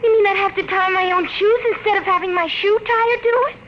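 A spoiled little girl in an old radio play. The voice is extremely high, childish and petulant, with a sly edge. It comes through a dull 1950s recording. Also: fairly even intonation, a little fast, heavy background noise. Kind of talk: 1950s radio drama acting.

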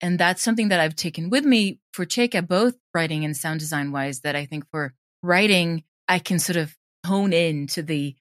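A woman speaking as an interviewed audio drama creator, explaining her craft in a thoughtful, conversational way with many softeners. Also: fairly low pitch, moderate pace, few pauses, no room sound, studio quality.

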